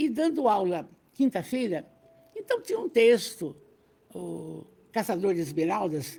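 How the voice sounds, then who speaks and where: Pitch swings very widely as a woman speaks at a fairly slow pace. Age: 80s+. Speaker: spiritist teacher. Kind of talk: religious study lecture. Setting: Facebook live stream.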